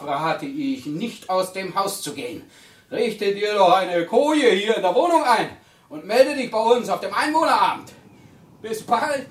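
A rowdy, loud-mouthed neighbour in a radio play. His voice sits high for a man and sounds as if recorded off-mic in a roomy space. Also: far from the mic. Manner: coarse, mocking. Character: rowdy, quarrelsome working-class neighbour, boastful.

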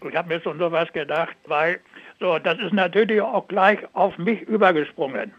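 Male caller, high-pitched, casual conversational delivery, lo-fi telephone sound. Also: normal speed, no room sound. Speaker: phone-in caller. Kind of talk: casual conversational complaining and questions. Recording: dull lo-fi telephone line.

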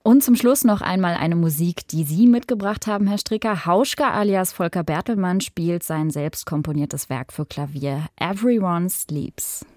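A woman hosting a radio interview, polite and gently teasing her guest. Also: on the low side, normal speed, hardly any pauses, no echo, clean studio sound.

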